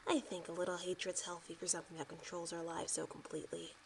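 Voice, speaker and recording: Casting: actress as stern woman in command for sci-fi audio drama, measured, exacting, unyielding delivery. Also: fairly low pitch, little pitch movement, gravelly, a little hiss or hum, pitched below the performer's own voice. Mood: cool, pointed. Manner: measured, demanding. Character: cool, controlling female boss in sci-fi drama.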